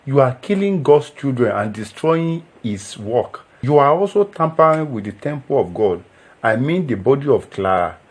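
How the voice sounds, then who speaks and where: A man's voice: mid-range voice, big pitch swings, moderate pace, husky. An actor playing an earnest young Christian man who preaches and pleads. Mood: preachy. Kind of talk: film drama acting.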